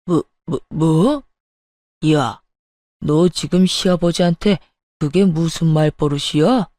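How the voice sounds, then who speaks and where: Storybook role: woman reading a bossy older man, low and forceful, barking reprimands. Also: steady tone, a little slow, no room sound, studio quality, lightly acted. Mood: sputtering. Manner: barking, scolding like a superior. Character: stern older father-in-law, domineering and hot-tempered.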